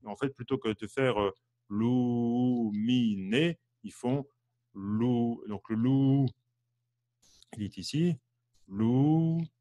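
A man's voice: medium pitch, takes it slowly, pauses often, dark tone, dry recording, muffled recording. A man teaching an online music lesson, patiently explaining notes and answering viewers' questions, with many restarts and fillers.

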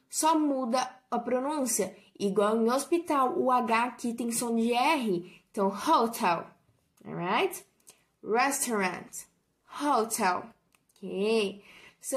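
A young woman with a Brazilian accent teaches English vocabulary at an unhurried pace. Her voice sits slightly high. She stretches out each model word so learners can copy it. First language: Portuguese. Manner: slow, drawn-out model pronunciation, tag "alright?" after each example. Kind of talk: bilingual vocabulary lesson.

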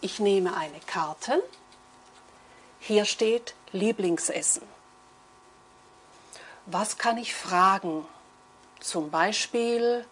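A middle-aged woman examiner asking questions and giving clear, measured exam instructions. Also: lowish voice, slight background noise. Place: indoor room.

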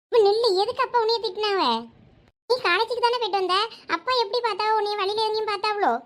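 ஒரு பெண் நடிக்கும் கிண்டலான கிராமத்துப் பெண். மிக உயர்ந்த குரலில் வேகமாகப் பேசுகிறாள். கேள்விகளை அடுக்கிக் கொண்டே, கூர்மையான நாக்குடன் கேலி செய்கிறாள். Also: female voice, very high-pitched, steady tone, fast talker. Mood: teasing. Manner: sharp-tongued, mocking, chatty. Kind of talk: comic skit acting.

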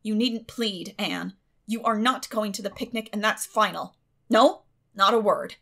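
A woman's voice: mid-range voice, unhurried, vocal fry, fairly bright tone. A woman voicing a stern, exasperated older female guardian in an audiobook, with a clipped, emphatic delivery. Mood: firm.

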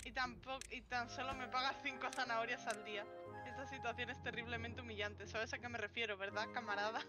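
A woman voices an aggrieved donkey from a video game, grumbling and indignant. The voice sits fairly high, over clearly audible music. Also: fairly even intonation, brisk, close to an everyday voice. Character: grumbling communist donkey, underpaid, aggrieved cart-puller. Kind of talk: reading game dialogue aloud in character.

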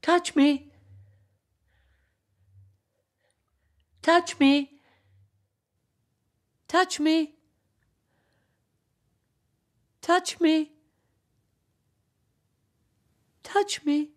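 A woman voicing a lovesick young female nymph who can only repeat others, crying out high and pleading. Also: steady tone, drawn-out words.

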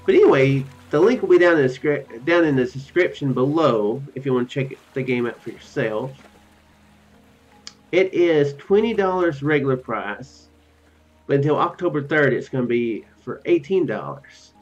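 Drowsy young man rambling, swingy pitch. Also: animated, normal speed. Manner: rambling, hesitant, tentative musing. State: tired, drowsy. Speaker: gaming video host. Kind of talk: casual game commentary to viewers. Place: small room at home. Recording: dull lo-fi mic with music. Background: game music.

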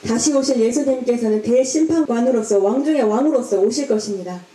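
Female church interpreter, mellow tone, echoey hall. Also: on the high side, fairly quick. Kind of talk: consecutive interpreting of a homily.

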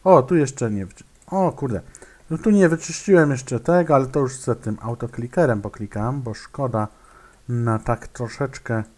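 A man's voice: mid-range voice, moderate pace, a little mellow. A man giving casual gameplay commentary, muttering to himself, hesitating and making clicking sounds as he plays. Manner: hesitant, many fillers and restarts.

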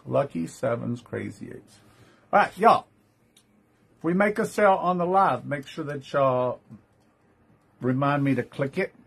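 A fairly high, husky man's voice runs a live-stream jewelry sale. He chats upbeat and friendly, greeting viewers by name while describing each piece for sale. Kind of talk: casual live-stream sales chat.

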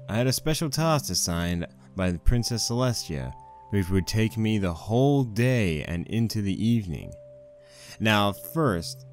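A man's voice: fairly low pitch, darkish tone. A man playing a young married stallion pony husband, rambling wryly and sheepishly through a fan fiction monologue. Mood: wry, hesitant. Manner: conversational, rambling, wry.

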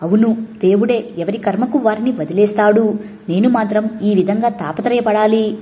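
A woman's voice: medium pitch, moderate pace, warm tone, close to an everyday voice. A woman voicing a stern, proud Brahmin scholar who scolds his wife and son, in a storybook reading. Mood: bitter.

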